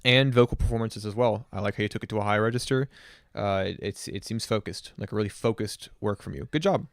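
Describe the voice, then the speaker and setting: A man's voice: on the low side, fast, no room sound, studio quality. A man reviewing songs on a casual livestream, rambling with many fillers and restarts. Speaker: music reviewer streamer.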